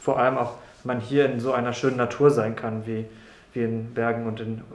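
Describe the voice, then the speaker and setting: A man's voice: medium pitch, completely flat delivery, a little fast, reverberant. A young man from Brussels, a medical student answering interview questions earnestly and often repeating words. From Brussels, Belgium. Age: young adult. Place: room in a doctor's practice.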